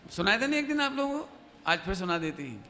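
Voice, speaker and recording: A man giving a devotional sermon to an audience, telling stories and asking his listeners questions. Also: sits high. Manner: lively storytelling, asks the audience questions. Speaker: religious teacher giving a discourse. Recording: long hall reverb with faint background noise.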